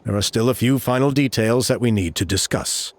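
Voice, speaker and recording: A man's voice: mid-range voice, fairly quick, very noisy, close to an everyday voice. An actor playing an earnest male tribal elder recruiting a hero, in a video game. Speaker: village elder.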